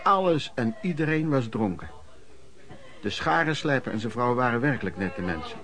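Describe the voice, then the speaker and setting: An actor playing an earnest, aghast storyteller narrating lodging-house memories in a radio play. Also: male voice, mid-range voice, expressive, normal speed, fairly bright tone. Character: male storyteller recalling lodging-house misery, shocked and earnest. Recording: crowd noise behind the voice.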